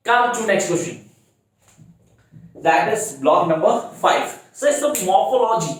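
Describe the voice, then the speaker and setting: A male tutor with an Indian English accent giving a brisk exam-prep lecture, talking straight to his students and answering his own questions. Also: a little high. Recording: very echoey room, voice far from mic.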